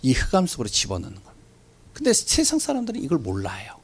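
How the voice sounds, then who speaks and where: A man who is a pastor, preaching a sermon with animated storytelling and rhetorical questions, often dropping suddenly to a quiet voice. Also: medium pitch, fast, slightly rough.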